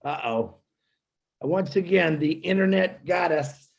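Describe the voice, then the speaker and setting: Hosting an online video call, a man moderates a panel, warmly calling on speakers and encouraging them. His voice is on the high side, animated and slow, with some vocal fry.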